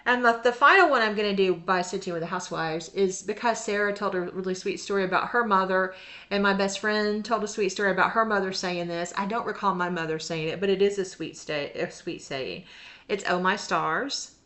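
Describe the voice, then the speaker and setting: A woman's voice: medium pitch, fairly quick, bright, forceful tone. A woman in a casual, rambling show-and-tell vlog about her cross-stitch projects, laughing often as she talks.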